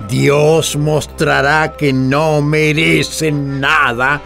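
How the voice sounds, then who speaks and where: A man's voice: fairly high pitch, flat delivery, drawn-out words, gravelly, a bit bright, faint music behind, exaggerated voice. A man playing an indignant prophet who denounces priests in a religious radio play, declamatory and sarcastic. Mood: bitterly sarcastic.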